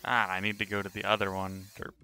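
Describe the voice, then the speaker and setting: A man's voice: lowish voice, completely flat delivery, fast, sharp tone. A man streaming a sandbox building game, thinking aloud in casual commentary as he narrates each step of his work.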